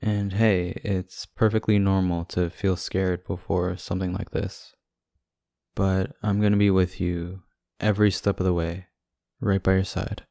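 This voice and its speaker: A man's voice: low-pitched, level tone, unhurried, dark tone, no echo, clean studio sound. A man playing a devoted, protective boyfriend in an ASMR audio roleplay, talking casually and conversationally. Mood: tender, reassuring.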